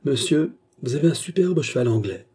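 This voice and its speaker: A man's voice: medium pitch, lively intonation, a little fast, mellow, slightly rough, voice pushed up. A man voicing a white-haired old former hussar who questions firmly and earnestly, in a storybook reading. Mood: probing.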